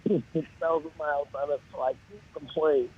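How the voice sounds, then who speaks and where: A woman with a raspy, deep voice calling in to a radio show, a bit groggy and hesitant. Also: fairly even intonation, moderate pace. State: groggy after bed rest. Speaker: caller. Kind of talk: casual call-in chat. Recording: dull lo-fi phone line.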